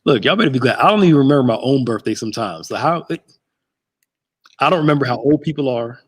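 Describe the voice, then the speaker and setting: A man's voice: medium pitch, expressive, fast, husky. A man in his thirties, a pastor hosting a casual chat show from a church sanctuary, laid-back and joking. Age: 30s.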